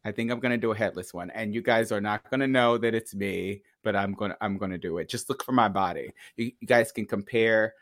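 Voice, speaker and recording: A man's voice: lowish voice, brisk, hardly any pauses, a bit bright, no room sound, clean studio sound. A man co-hosting a podcast in casual, cheeky banter with a playful, campy manner. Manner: playful, campy, cheeky, calls co-host darling and girl. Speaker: podcast co-host.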